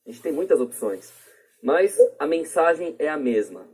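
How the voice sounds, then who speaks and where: A man's voice: a little high, big pitch swings, normal speed, darkish tone, breathy edge. A Brazilian man talking casually as a podcast guest, hesitant and peppering his sentences with tag words. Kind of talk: casual discussion.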